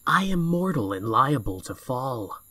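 A woman's voice: very deep voice, sing-song, a little slow, sharp tone, breathy edge, dry recording, exaggerated voice. A woman playing a proud, guarded young man in a fan audio drama, with a haughty, dry and formal manner.

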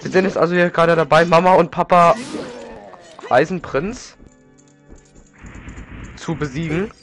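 A man's voice: fairly high pitch, a little slow, fairly bright tone. A man with a slight head cold giving casual, rambling video game commentary as a let's play host. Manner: informal, rambling, repeats words. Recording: game music behind. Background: video game music.

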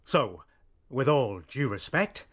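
An actor playing a proud, blunt rabbit military officer in a radio drama, formal and firm. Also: male voice, mid-range voice, sing-song, slow, breathy edge, heavily acted. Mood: stiff, resolute.

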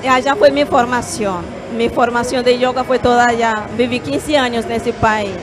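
A Brazilian woman yoga teacher speaking Spanish in a gentle, measured way with small hesitations, on a handheld mic at a fair stand. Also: a little high, fairly even intonation, noisy background. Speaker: yoga teacher and holistic therapist. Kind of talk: calm explanatory interview answers. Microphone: handheld microphone.

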